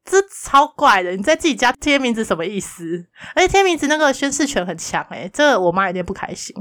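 A woman's voice: on the high side, big pitch swings, fast, fairly bright tone. A woman co-hosting a casual chat podcast, telling stories and acting out quoted lines with frequent laughs. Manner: chatty storyteller, acts out quoted lines, laughs often. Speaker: podcast co-host.

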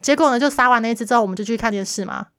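Woman podcast co-host, Taiwanese accent, quick chatty storyteller, high-ish voice. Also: dry recording, studio quality. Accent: Taiwanese Mandarin. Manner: lively storyteller, acts out her mother's lines. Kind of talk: casual chat.

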